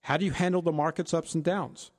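With a fast delivery and a voice on the high side, this male financial advisor co-hosts an advice talk and walks through retirement planning point by point. He explains steadily, and a long reverb tail follows his speech.

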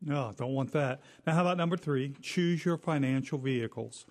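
A man's voice: mid-range voice, normal speed, a little mellow, in a large hall. A man co-hosting a financial advice talk, stressing key words with emphasis. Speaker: financial advisor co-host.

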